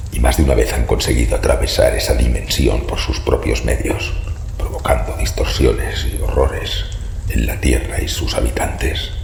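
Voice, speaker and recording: An actor playing a haunted, secretive old man who gives grave, ominous warnings in a horror audio drama, with a rasping voice. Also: extremely low pitch, a little mellow, exaggerated voice. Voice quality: very gravelly, breathy rasp. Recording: echoey hall reverb, faint noise.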